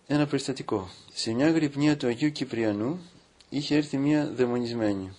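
A man preaching as a priest, reading from a book and stopping to comment, with slow, drawn-out emphasis. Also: medium pitch, darkish tone. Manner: reads aloud from a book, breaking off to comment. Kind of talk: sermon.

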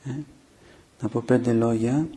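A man preaching a sermon, teaching in a steady way with filler pauses and rhetorical questions. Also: medium pitch, a little hiss or hum.

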